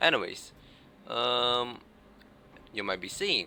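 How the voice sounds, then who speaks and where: Vocal fry runs through a man's bright, sharp tone. He speaks at a fairly slow pace. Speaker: game streamer. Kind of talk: live gameplay stream chat. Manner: soft.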